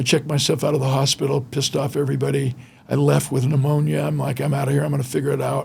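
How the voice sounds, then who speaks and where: Over noticeable background noise, the words come at a very fast pace. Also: man. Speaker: motivational speaker. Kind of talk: interview. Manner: animated.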